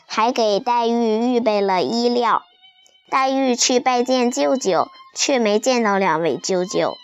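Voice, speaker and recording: A woman telling a storybook tale to young listeners, her voice sitting a little high and moving at an unhurried pace. Her delivery is measured and patient, and the recording is close and dry, with no room sound. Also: dry recording. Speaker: children's storyteller. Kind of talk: storybook narration for children.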